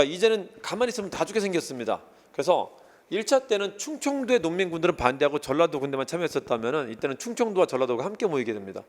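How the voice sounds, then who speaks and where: A man explains exam history questions at a rapid clip in a casual, chatty way. His voice sits a little high and rises and falls a lot as he acts out scenes. The delivery is quick and loose, like a tutor in mid-flow. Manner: animated, casual, acts out quoted lines. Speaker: history lecturer. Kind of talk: exam-prep lecture.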